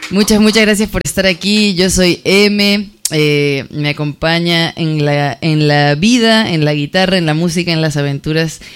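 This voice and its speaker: A trans singer-songwriter with a Peruvian accent, introducing themselves and a song on the radio in a soft, halting way with many pauses. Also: mid-range voice, steady tone, clean tone. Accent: Peruvian Spanish. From Peru.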